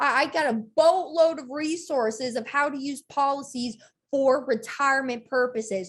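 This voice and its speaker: Over a quiet background, a woman with a high pitch speaks at a moderate pace and ordinary pitch variation. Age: 20s. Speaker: financial advisor hosting a webinar. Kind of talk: live Q&A webinar. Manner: casual, with many fillers and repeated words.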